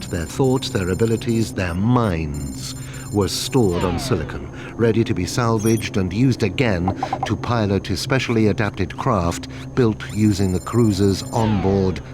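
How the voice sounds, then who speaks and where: A man playing a grave, secretive military officer, giving a measured briefing with deliberate pauses in a game cutscene. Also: fairly low pitch, natural voice. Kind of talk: dramatic game cutscene acting, expository briefing.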